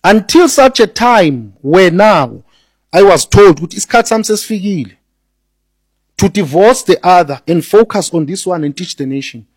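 A man's voice: high-pitched, lively intonation, moderate pace, breathy edge, dry recording. A man speaking as a radio guest, teaching earnestly about spirit and religion, often repeating words as he builds a point and slipping into Zulu.

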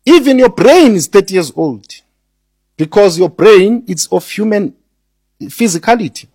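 A man with a high, husky voice teaches earnestly as a studio guest on the radio. He repeats words as he builds each point and mixes in Zulu phrases, and the sound is close and dry. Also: lively intonation, unhurried, a little mellow, no room sound.

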